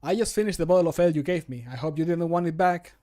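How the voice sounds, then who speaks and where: A man's voice: a little high, very fast, dark tone, lightly acted. A man voicing a cheery, quirky ale-loving fantasy game character in a whimsical, sing-song manner. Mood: sheepish. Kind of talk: fantasy video game voice lines.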